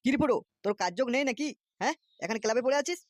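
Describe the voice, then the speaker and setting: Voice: high-pitched, animated, rapid-fire, no echo. Actor as an irritable male cartoon boss, West Bengal accent, breakneck coarse scolding, dry close sound. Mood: angry. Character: irritable, scolding male neighbourhood club boss, angry father. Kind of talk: comic cartoon voice acting.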